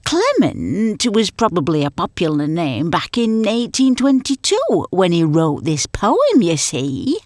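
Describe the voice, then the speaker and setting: A woman's voice: lowish voice, huge pitch swings, unhurried, few pauses, darkish tone, dry recording, clean studio sound. A woman voicing a kindly, patient but easily flustered old Yorkshire grandma in a comic story, fussily explaining and correcting herself. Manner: fussy, explanatory, self-correcting.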